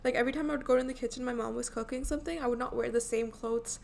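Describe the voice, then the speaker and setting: A woman's voice: on the high side, steady tone, rapid-fire, gravelly, darkish tone, a little hiss or hum. A young woman from India with a light Indian accent, chatting casually about her own experiences and filling her talk with "like" and restarts. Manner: chatty, filler-heavy, many "like"s and restarts. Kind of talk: casual personal chat.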